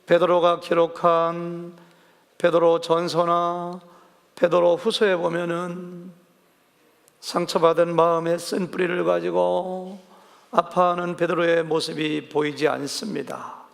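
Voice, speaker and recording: A man's voice: fairly high pitch, level tone, slow pace, creaky. A male pastor preaching a sermon in a conversational way, drawing answers from the congregation and acting out quoted dialogue. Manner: conversational, asks the congregation questions; acts out quoted dialogue vividly. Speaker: senior pastor. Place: church sanctuary. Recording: church sanctuary with long reverb.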